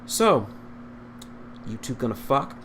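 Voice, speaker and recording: A man's voice: medium pitch, very animated, takes it slowly, fairly bright tone, slight background noise, voice pushed up. A man voicing a blunt, teasing female space bounty hunter in a storybook reading, matter-of-fact in manner. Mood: bluntly probing.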